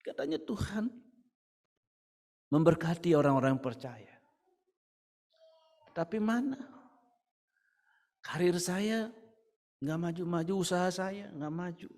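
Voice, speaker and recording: A man preaching a church sermon with an Indonesian accent, piling up rhetorical questions and swinging from loud to hushed. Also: high voice, lively intonation, slow, pauses often. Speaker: pastor. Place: church hall. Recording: church service with hall reverb.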